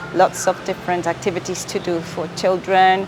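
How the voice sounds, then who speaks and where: A woman at a fairly low pitch and a moderate pace, with music in the background. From Peru. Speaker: church community member. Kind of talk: interview.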